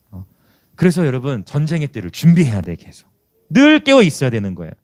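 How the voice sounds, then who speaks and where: A male pastor preaching a sermon in an emphatic, exhorting, conversational way. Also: on the high side.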